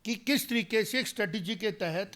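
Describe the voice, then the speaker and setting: A man's voice: sits high, moderate pace, fairly bright tone. A man, giving emphatic political commentary in an interview, mixing in English phrases and growing heated as he argues. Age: 40s. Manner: emphatic, rising to heated argument; mixes English phrases into speech. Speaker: guest commentator.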